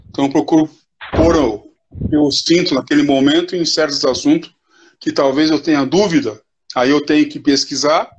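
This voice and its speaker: An older man speaks slowly and reflectively, tagging his thoughts with little questions. His voice is husky and sits in a middle range. The sound comes through a dull, lo-fi video-call line. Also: medium pitch. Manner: reflective, unhurried, with repeated "né?". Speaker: futsal coach, guest. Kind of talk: casual live interview chat.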